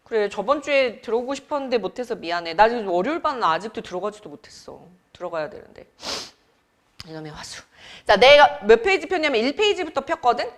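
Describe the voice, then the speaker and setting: Young seoul woman teaching a class, kinda high voice, super bouncy, teasing and quizzing the kids. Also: big pitch swings, fast talker. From Seoul, South Korea. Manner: chatty, teasing, quizzes students. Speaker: academy Korean teacher. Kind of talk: classroom lecture.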